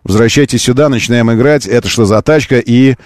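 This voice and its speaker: A man hosting a live radio quiz show, chatting casually in a halting, self-correcting way with playful exasperation. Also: medium pitch, no room sound, studio quality. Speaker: radio host.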